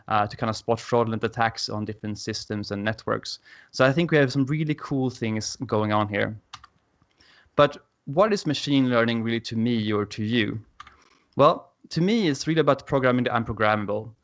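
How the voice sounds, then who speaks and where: A man's voice: mid-range voice, fairly bright tone. A man from Sweden with a Swedish accent, giving an enthusiastic technical presentation over a video call with frequent "uh" fillers. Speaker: conference speaker.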